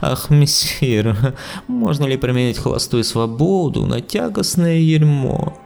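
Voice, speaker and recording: A man voicing a boastful, roguish talking black cat in an audiobook, with a high, squeaky, wheedling theatrical whine. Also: animated, a little slow, vocal fry, a little mellow. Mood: excited. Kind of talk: audiobook character voice.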